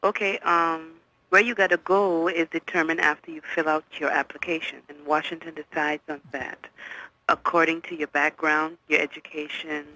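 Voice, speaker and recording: A woman's voice: low-pitched, little pitch movement, moderate pace, bright, forceful tone, no room sound, low-quality recording. A woman answering the phone as an office receptionist, polite and giggly. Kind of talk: phone call.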